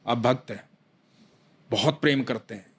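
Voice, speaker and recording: A man narrating a devotional story with unhurried, repetitive phrasing. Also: medium pitch, fairly bright tone, breathy edge.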